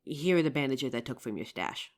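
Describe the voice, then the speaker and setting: A woman acting a low-voiced, wounded apocalypse survivor. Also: animated, fairly quick, darkish tone. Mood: relieved, fond. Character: injured young woman survivor scavenging in a zombie apocalypse. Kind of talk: roleplay audio drama acting.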